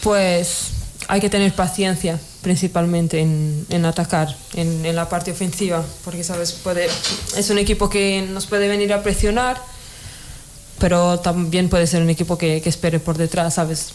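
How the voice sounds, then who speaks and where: A woman's voice: fairly low pitch, steady tone, a little mellow, a little hiss or hum. Young Portuguese woman speaking Spanish. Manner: halting, repeats words, says "¿sabes?" often. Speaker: futsal player. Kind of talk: radio interview answers.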